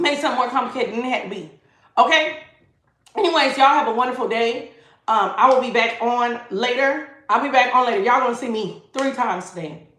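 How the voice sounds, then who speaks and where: With audible room echo, a woman speaks in a high, bright, sharp voice, animated in tone, at a fairly quick pace with ordinary pitch variation. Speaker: tarot reader. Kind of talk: live stream tarot reading. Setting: live stream. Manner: fast.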